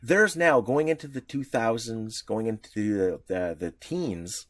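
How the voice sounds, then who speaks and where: A man co-hosting a podcast in casual chat, rambling and animated, with many restarts. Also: mid-range voice, a little slow, dry recording. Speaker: podcast co-host.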